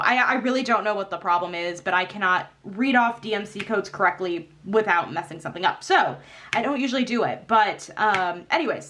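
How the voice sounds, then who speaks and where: A young woman vlogger chatting casually while crafting, rambling with many fillers and frequent laughs, her voice slightly hoarse. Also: medium pitch, fairly bright tone.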